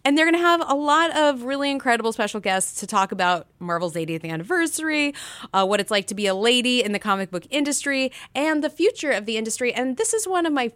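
A woman with a fairly high voice chats casually as a podcast co-host. She is playful and jokey, throwing in animated asides, and the sound is close and dry. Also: fast talker, no room sound. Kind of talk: casual chatty event preview.

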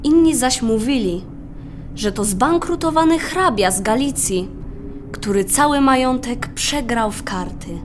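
A young female performer playing a storyteller, narrating a radio play in a measured way. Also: fairly high pitch, animated, background noise. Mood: reflective. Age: child or teenager. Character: storyteller recalling a mining town's rumours.

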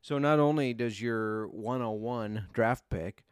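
A man's voice: mid-range voice, slow, clear, resonant tone, no echo, clean studio sound. A man co-hosting a sports podcast in a casual, conversational style. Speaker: podcast co-host. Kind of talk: casual fantasy football podcast chat.

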